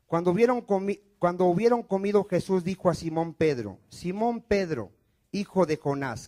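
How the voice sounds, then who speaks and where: Guy preaching in church, high voice, fires questions then answers them, loud then suddenly quiet. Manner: call-and-response preaching, asks questions and answers them himself; swings from loud emphatic lines to dropped, quiet endings. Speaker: pastor. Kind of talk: sermon.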